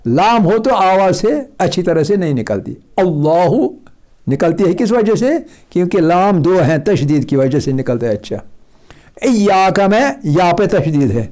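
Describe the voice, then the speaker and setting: A man's voice: sits high, very animated, a little mellow. A man teaching Quran pronunciation, patiently repeating example words and drilling his students.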